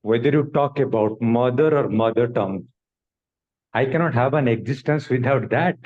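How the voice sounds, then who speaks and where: A man's voice: mid-range voice, normal speed, narrow, tinny audio. A man from Odisha with an Odia-influenced Indian English accent, giving an earnest impromptu speech at a speaking club. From Odisha, eastern India.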